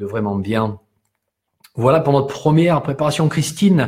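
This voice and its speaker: This man's medium-pitched voice comes across as somewhat breathy. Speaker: herbalist teacher. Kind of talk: live stream Q&A tutorial. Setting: Facebook live stream.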